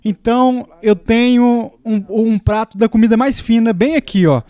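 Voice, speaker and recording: High-voiced man dubbing a sermon. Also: dark tone, clean tone, no room sound. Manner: emphatic, with deliberate pauses and repetition. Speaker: preacher's voice in a dub. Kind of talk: dubbed sermon.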